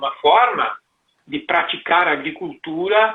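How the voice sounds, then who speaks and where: The voice belongs to a man. His delivery is very slow. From southern Brazil, Serra Gaúcha (Farroupilha, Italian colony area). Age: 60s. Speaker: organic farmer. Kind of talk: interview. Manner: halting, many fillers and repetitions.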